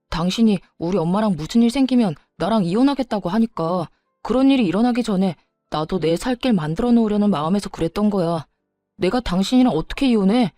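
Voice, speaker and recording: A woman's voice: medium pitch, mellow, no room sound, close to an everyday voice. A woman voicing a desperate husband who begs and then threatens by turns, in a narrated story. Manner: begging then threatening, flip-flopping. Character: desperate pleading husband, quick-tempered, married man. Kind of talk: story narration with voiced dialogue.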